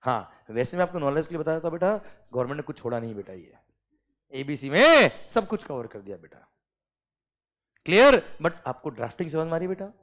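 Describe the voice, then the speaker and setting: Animated Indian male classroom lecturer. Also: on the high side. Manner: dictates slowly word by word, then explains quickly; checks understanding often, calls students "beta" and "sir". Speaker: teacher.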